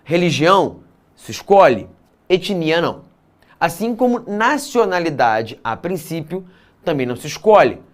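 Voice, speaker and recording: A man teaching an exam-prep geography lesson, mixing clear explanation with casual asides and frequent tag questions. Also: fairly high pitch, sing-song, a little slow.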